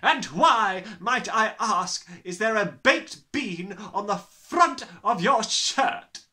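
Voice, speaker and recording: A man voicing a huge, bullying headmistress, bellowing with scornful, drawn-out menace in a storybook reading. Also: high-pitched, expressive, bright, forceful tone, voice pushed up, exaggerated voice. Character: huge, bullying, furious tyrant headmistress, adult woman.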